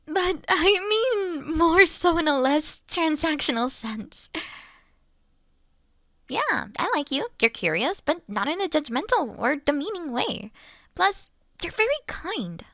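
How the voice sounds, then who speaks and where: A woman's voice: high voice, big pitch swings, pushed and bright, no echo, studio quality, heavily acted. A woman voicing a kind, playful female vampire who reassures and teases politely in an intimate roleplay audio drama. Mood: playful, friendly. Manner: soothing, polite, teasing, unhurried.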